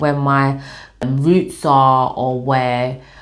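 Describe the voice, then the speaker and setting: In a room with audible echo, a woman speaks at a very deep, low pitch. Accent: London. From London. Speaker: vlogger. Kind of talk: casual storytime monologue.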